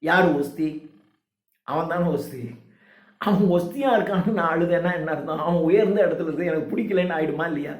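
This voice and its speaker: A man with a Tamil accent, teaching a poem. He reads the English lines slowly and with emphasis, then explains them quickly in casual speech. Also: on the high side, reverberant. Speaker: literature teacher.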